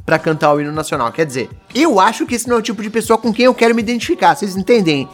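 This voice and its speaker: A Brazilian man casually arguing his views in a group discussion, blunt and animated, firing off rhetorical questions. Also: sits high, rapid-fire, faint music behind.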